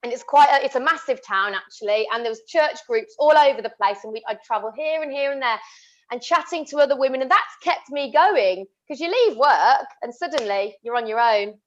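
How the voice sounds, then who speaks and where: A woman's voice: high-pitched, lively intonation, fairly quick. A woman, talking earnestly and passionately, often restarting her sentences. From England. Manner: impassioned, earnest, many restarts. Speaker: podcast co-host. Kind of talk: casual chat. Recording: dull lo-fi audio.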